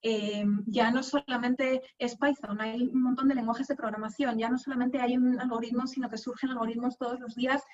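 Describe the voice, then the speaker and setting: A woman's voice: fairly high pitch, level tone, moderate pace, hardly any pauses, a little mellow, lo-fi sound. A woman from Spain with a Madrid accent, giving a conversational webinar talk with many fillers and restarts. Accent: Spanish, from Madrid. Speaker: guest speaker. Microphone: video call.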